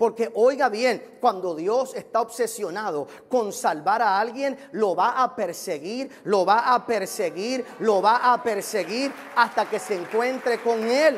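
Extremely high-pitched, a man talks at a very slow pace with ordinary pitch variation. There is light background noise. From Puerto Rico. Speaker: pastor. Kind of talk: sermon. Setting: church. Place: church. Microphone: lapel.

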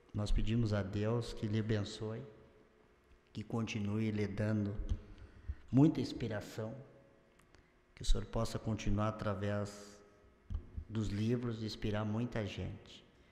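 In a room with audible echo, a man with a fairly low, dark, mellow voice speaks in a monotone at a fairly slow pace, pausing long and often. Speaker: council president. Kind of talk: formal ceremonial speech. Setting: council chamber with audience. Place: hall. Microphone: podium.

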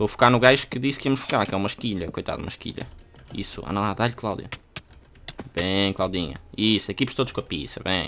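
The man's pitch is fairly low and varies in an ordinary way, and his delivery runs very fast. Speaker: gaming youtuber. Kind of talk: gameplay commentary. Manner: calmer, not shouting.

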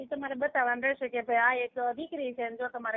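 This woman speaks in a high voice. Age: 40s. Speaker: caller. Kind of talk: phone-in chat.

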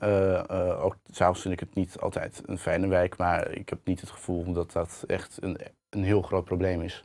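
With monotone, flat intonation, the speaker proceeds at a fairly slow pace. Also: man, very deep, low pitch for a man. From Netherlands, village near Alkmaar; Netherlands. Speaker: software developer and entrepreneur; interview guest. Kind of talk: interview. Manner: halting. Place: studio. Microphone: lapel.

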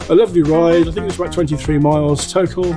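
With clear music in the background, a man speaks at a fairly quick pace with ordinary pitch variation. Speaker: e-bike rider. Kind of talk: interview answer. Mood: pleased, relaxed. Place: garden.

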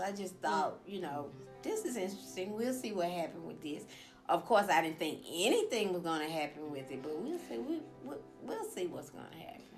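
Faint music plays behind a woman as she speaks. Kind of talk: interview answer. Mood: amused, reminiscing. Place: home room. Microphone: camera far.

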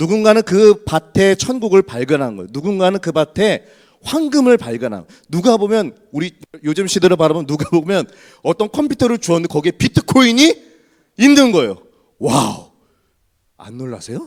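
Very wide pitch swings and big swings in loudness come through a dry, close sound with no echo. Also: man, high pitch for a man. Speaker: pastor. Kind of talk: sermon. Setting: church. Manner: fast when nervous; animated.

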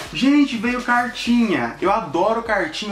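Music can be heard behind the speaker. He is a man whose pitch varies in an ordinary way. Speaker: cooking channel host. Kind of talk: casual vlog chat. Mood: cheerful, amused, laughing. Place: home room. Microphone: camera far.

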